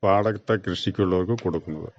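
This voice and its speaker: A man's voice: low voice, fast talker, no room sound. A man, giving plain, brief, factual answers in an interview as a retired farmer. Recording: dull, muffled radio recording.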